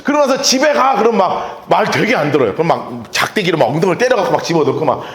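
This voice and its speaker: A man preaches in a high-pitched, very animated voice that swings up and down as he tells stories with a laugh. He is a pastor giving a sermon. His voice rings out in a roomy church space. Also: rapid-fire. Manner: lively storytelling, often laughing. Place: church sanctuary.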